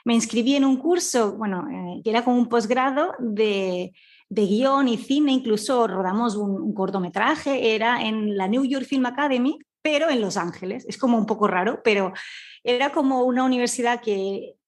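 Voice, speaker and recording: A woman's voice: a little high, moderate pace. A woman with a Spanish accent from Spain, telling her story as a guest in a casual, chatty, informal conversational style with colloquial asides. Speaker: guest, audio fiction scriptwriter.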